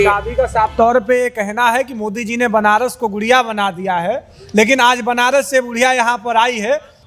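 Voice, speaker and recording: Over noticeable background noise, a man speaks with an extremely high pitch and fairly even intonation at a moderate pace. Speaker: reporter. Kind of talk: field news report to camera.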